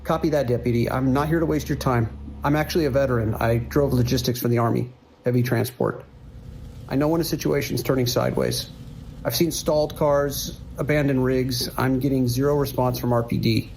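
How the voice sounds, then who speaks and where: A man playing an earnest trucker on the CB in a horror radio drama. His mid-pitched voice is steady and concerned, with faint noise behind it. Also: fairly quick, vocal fry, natural voice. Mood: steady, urgent. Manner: plain, steady, concerned, clipped radio procedure. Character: earnest, worried male long-haul trucker and army veteran.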